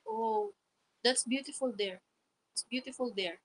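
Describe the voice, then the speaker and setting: A Filipino woman whose first language is Tagalog, speaking English hesitantly and pausing to find words on a video chat. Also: sits high, big pitch swings, gravelly, rough recording. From Philippines.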